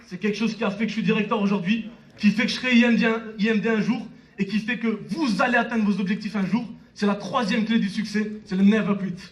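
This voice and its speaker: A man in his early twenties with a high voice speaks quickly and with fairly even intonation, giving a motivational speech with personal anecdotes on stage at a network marketing conference hall. He addresses the audience directly and often checks in with them. The live talk is recorded from a distance.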